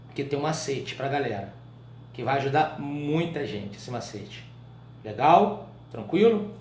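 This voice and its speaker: Animated Brazilian male teacher, echoey room. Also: fairly high pitch. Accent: Brazilian Portuguese. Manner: checks in often with short questions to students; colloquial, animated explaining. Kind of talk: live online writing class.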